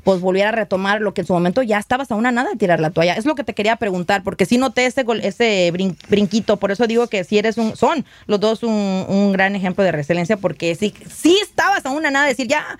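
A woman's voice: medium pitch, fast, few pauses, dry recording. A woman hosting a radio interview, chatty and upbeat, with many fillers. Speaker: radio host.

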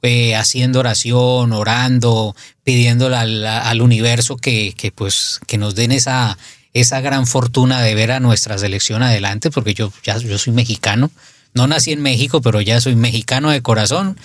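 Give me a middle-aged man on a radio show, stumbling gently through spiritual advice, with a dry close mic. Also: mid-range voice, fairly even intonation, no room sound. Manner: halting, many restarts, gently advising. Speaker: spiritual advisor guest. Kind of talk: casual radio talk.

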